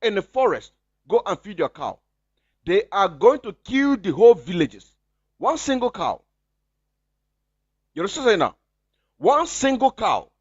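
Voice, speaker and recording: A Nigerian man holds forth on a livestream in a high voice that leaps up and down. He talks slowly, stacking rhetorical questions. The sound is lo-fi and close, with no room at all. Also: big pitch swings, husky, dry recording. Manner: impassioned, repetitive rhetorical questions. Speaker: activist livestreamer. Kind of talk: livestream commentary.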